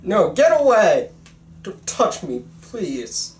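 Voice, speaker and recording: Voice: mid-range voice, sing-song, slow. Someone acting a bitter, intense teen boy, roomy sound. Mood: angry. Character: bitter, intense teenage boy filmmaker plotting revenge. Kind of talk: amateur screenplay table read. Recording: roomy, distant mic.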